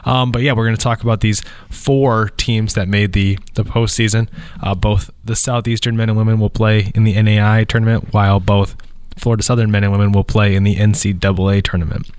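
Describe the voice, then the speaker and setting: A man's voice: lowish voice, level tone, brisk, few pauses, darkish tone, smooth, dry recording. A man hosting a casual sports podcast, talking loosely with a nasal, allergy-stuffed voice and many fillers, in an office conference room. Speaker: podcast host.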